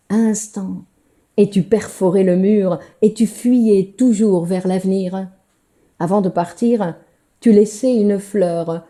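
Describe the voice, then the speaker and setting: A woman reciting a poem in a literary style, with deliberate, measured phrasing and pauses between lines. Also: medium pitch, dark tone. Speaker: poetry reader.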